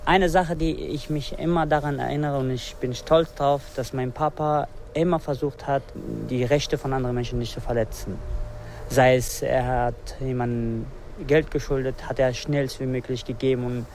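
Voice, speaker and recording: A man from Afghanistan gives a street interview in an earnest, proud tone. His voice sits at a middling pitch with faint outdoor sound behind him. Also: fairly even intonation, normal speed, a little mellow, a little hiss or hum. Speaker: restaurant owner, interviewee.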